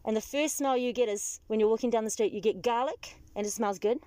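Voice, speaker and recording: A young woman from New Zealand with a Kiwi accent, chatting as a passenger and telling stories with lively asides. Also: a little high, fairly quick, no room sound. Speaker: taxi rider guest. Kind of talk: casual chat. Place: in a moving car.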